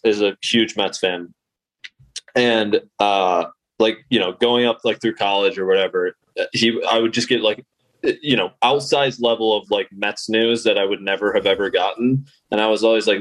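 A man's voice: fairly low pitch, poor audio. A man in his twenties, a sports reporter guesting on a podcast, telling stories at length with many filler words. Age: 20s. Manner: chatty storyteller, heavy filler words. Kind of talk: casual sports chat.

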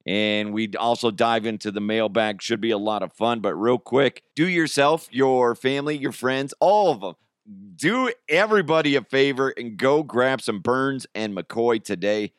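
A man's voice: mid-range voice, moderate pace, clean tone, no echo, studio quality. A man with an American accent hosting a podcast, talking in an informal, slangy, conversational way. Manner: chuckles through his own remarks. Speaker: podcast host. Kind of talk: casual solo comedy podcast chat.

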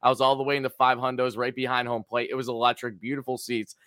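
A man with a raspy, hoarse voice co-hosting a sports podcast, chatting casually in an excitable, hyperbolic way. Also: medium pitch, quick pace, no echo, clean studio sound. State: hoarse from screaming.

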